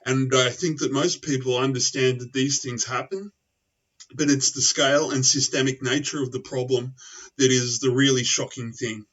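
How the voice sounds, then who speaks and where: A man's voice: medium pitch, fairly even intonation, moderate pace, a bit bright. A man hosting an online show in casual chat, rambling with many fillers and restarts. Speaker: podcast host. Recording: distant, dull lo-fi mic.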